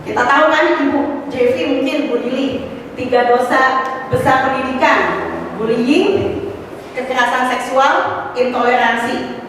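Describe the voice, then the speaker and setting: A middle-aged woman with a slight cough gives a personal testimony at a church fellowship, speaking at a normal speed but pausing often. Her slightly high voice carries animated storytelling that climbs to exclamations, laced with slang, casual asides and English words. The echoey hall leaves her sounding far off, with long reverb and a faint ambient hum.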